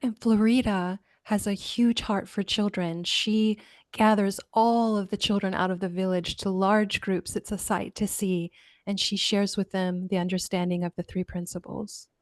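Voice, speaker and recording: Woman, webinar host, mid pitch, measured, dry close sound. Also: fairly even intonation, no echo. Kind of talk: introducing speakers.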